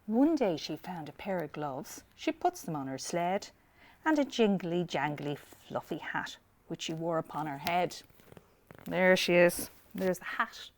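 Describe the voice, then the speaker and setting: Female library storyteller for children: lowish, creaky voice, expressive reading with little asides. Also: measured pace. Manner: expressive, addressing young listeners with asides. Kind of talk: children's picture-book read-aloud.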